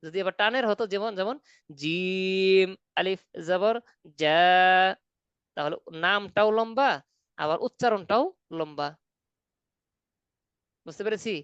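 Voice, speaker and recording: A man's voice: high voice, a little slow, pauses often, fairly bright tone, clean tone, no room sound, dull audio. A man teaching Quran recitation in an online class, patiently explaining step by step and asking if students follow.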